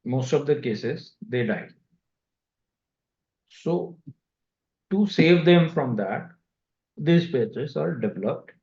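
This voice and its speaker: A man with an Indian accent answering investors as a company executive on a conference call, speaking haltingly with pauses mid-sentence. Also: mid-range voice, lively intonation, a little mellow. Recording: dull, echoey conference call audio.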